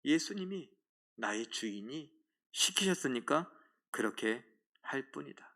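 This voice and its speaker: A middle-aged man preaching a sermon as pastor, lively and animated, acting out the voices of churchgoers in a church sanctuary. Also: mid-range voice, a little slow.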